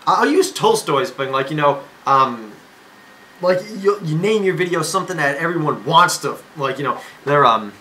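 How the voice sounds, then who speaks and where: A man's voice: fairly high pitch, animated, normal speed, pushed and bright, slight background noise, poor audio. An eighteen-year-old man talking casually to his camera at home, rambling with lots of fillers, restarts and self-mocking jokes. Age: young adult. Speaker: vlogger. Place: home room. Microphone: camera mic.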